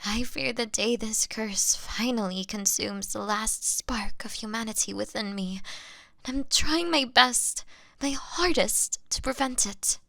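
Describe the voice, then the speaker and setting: A woman playing a gentle young female vampire in an audio roleplay, apologetic and halting, with a breathy voice that often drops to a whisper. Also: fairly high pitch, no room sound, full character voice. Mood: grave, regretful. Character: gentle young female vampire, remorseful, fighting her bloodlust. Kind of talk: scripted dramatic audio roleplay monologue.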